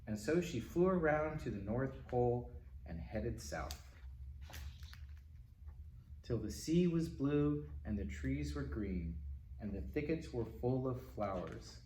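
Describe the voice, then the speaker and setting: A man reading a picture book aloud to young children in a gentle, simple manner, with little asides to them as a storytime reader. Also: mid-range voice, animated, takes it slowly. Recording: roomy, distant mic with faint noise.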